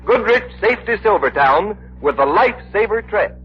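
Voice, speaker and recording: A man announcing on 1930s radio, speaking persuasively and emphatically in a lively, rather high voice. The sound is dull, like an old broadcast. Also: normal speed, a little hiss or hum.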